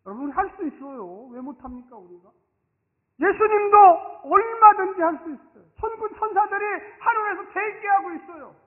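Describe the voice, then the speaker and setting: A man preaching a sermon as pastor in a church sanctuary, emphatic and leading the congregation in repeat-after-me lines. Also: extremely high pitch. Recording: tinny lo-fi sound in echoey church.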